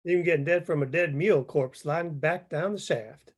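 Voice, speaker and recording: A man's voice: a little high, a little fast, natural voice. A man playing a grim, hard-bitten, wary coal miner in a screenplay table read, with a folksy, dour manner. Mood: grim explaining.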